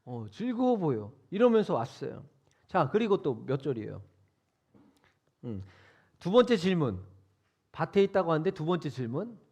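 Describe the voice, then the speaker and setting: Lively high-voiced Korean pastor. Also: male voice, normal speed, pauses often, breathy edge, highs cut off. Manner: conversational, quizzing listeners. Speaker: youth pastor. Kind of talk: interactive youth sermon. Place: church sanctuary.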